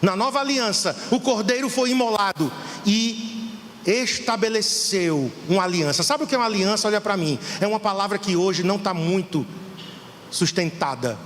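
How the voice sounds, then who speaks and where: A man's voice: high voice, lively intonation, moderate pace, a bit bright, a little hiss or hum. Middle-aged male pastor, fervent sermon delivery, reverberant hall sound. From Brazil. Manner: fervent, preaching to the congregation. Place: church hall.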